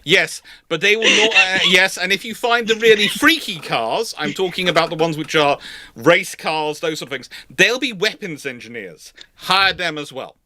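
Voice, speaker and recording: A man's voice: high-pitched, expressive, normal speed, bright, forceful tone. A man hosting a casual live question session, explaining things in an emphatic, rambling, chatty way. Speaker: livestream host answering questions.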